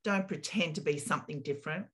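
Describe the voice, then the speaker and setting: A woman in her late fifties speaks as a podcast guest. She talks in an earnest, reflective, unhurried way. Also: low-pitched, bright, forceful tone. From Australia. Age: 50s. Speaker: property consultant. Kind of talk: interview guest.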